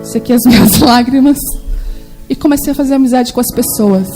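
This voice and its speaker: A Brazilian woman in her forties preaching a sermon with lively, animated storytelling in which she acts out the voices she quotes. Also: fairly high pitch, fairly quick, soft background music, rough recording. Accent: Brazilian Portuguese.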